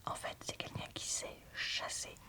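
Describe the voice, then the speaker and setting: A woman whispers in a breathy, unvoiced ASMR style, speaking informally and frankly as she reads and reviews books. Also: measured pace. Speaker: book reviewer.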